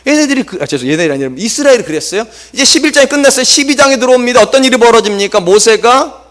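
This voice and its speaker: A middle-aged man preaching a Sunday sermon as pastor, lively and humorous, acting out quotes from the people he speaks about. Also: extremely high pitch. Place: church sanctuary.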